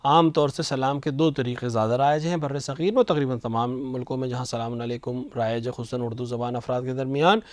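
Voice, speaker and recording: A man, a religious scholar on a studio TV show, explaining patiently and slowly reciting phrases to show the right pronunciation. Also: mid-range voice, a little mellow, no echo. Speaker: religious scholar answering questions. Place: television studio.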